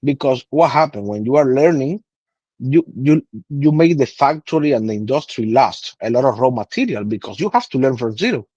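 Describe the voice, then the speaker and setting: A man's voice: medium pitch, moderate pace, husky, dry recording. A man in his thirties from Cuba with a Cuban Spanish accent and Spanish as his first language, telling stories in an interview with many restarts. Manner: animated storytelling with many restarts. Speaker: guest, cigar master blender. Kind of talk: casual interview. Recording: slightly dull lo-fi sound.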